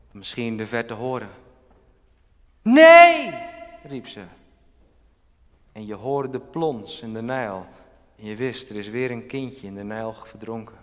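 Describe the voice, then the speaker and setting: A male pastor preaching a sermon in a church, animated and rising loud when he voices God's words. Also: fairly low pitch. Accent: Dutch. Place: large church. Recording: long church reverb.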